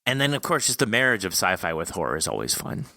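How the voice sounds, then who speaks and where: A man's voice: low voice, sing-song, fast, creaky, pushed and bright, no room sound, clean studio sound. A man hosting a podcast, chatting casually with a guest in an enthusiastic, informal way. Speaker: podcast host interviewing an author. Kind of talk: casual interview chat.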